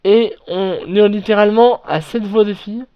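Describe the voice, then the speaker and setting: High-voiced man reading horror stories. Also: clear, resonant tone. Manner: halting reading with frequent restarts and self-corrections. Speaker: online horror story narrator. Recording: dull lo-fi recording.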